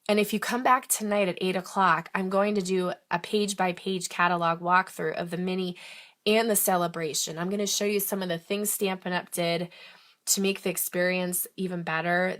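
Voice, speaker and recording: A middle-aged woman, a bit raspy after being sick, hosting a live craft demonstration in a chatty, enthusiastic way with many fillers. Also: medium pitch, noisy background. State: raspy from recent illness. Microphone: phone or tablet livestream.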